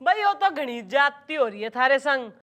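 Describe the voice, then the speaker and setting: An actress playing a bossy, blunt female police station chief with a Haryanvi accent, talking loudly in rustic slang in a TV sitcom. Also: sits high, big pitch swings, normal speed. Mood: brash. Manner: loud, blunt, rustic slang mixed with English. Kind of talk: sitcom acting.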